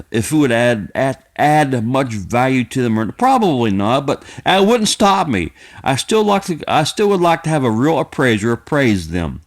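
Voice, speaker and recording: A man talks in a mid-pitched voice. He rambles in a folksy, homespun way, stopping short and repeating himself as he goes. The delivery is casual and unscripted, like a personal vlog. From United States. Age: 50s. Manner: repetitive, halting, circling back over phrases; folksy, plainspoken. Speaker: video creator.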